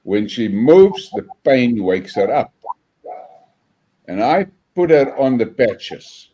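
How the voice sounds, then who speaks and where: A South African man hosting a casual interview, speaking haltingly with fillers. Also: mid-range voice, sing-song, warm tone, breathy edge, rough recording. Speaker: host.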